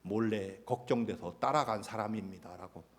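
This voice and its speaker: A man's voice: fairly low pitch, moderate pace, lightly acted. A man voicing Peter as a grown male disciple pleading and excusing himself, in a hall with long reverb. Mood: pleading defensive.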